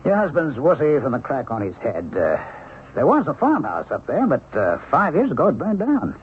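An actor in a 1970s radio drama playing a helpful, sympathetic police lieutenant with an informal, slightly hesitant manner. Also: male voice, fairly high pitch, huge pitch swings, moderate pace. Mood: puzzled. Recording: narrow-band old radio recording, faint noise.

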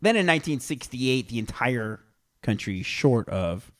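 A man from Canada hosting a casual comedic podcast, deadpan, trading crude jokes and reading facts aloud. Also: mid-range voice, a little slow, no echo, clean studio sound. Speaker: podcast host.

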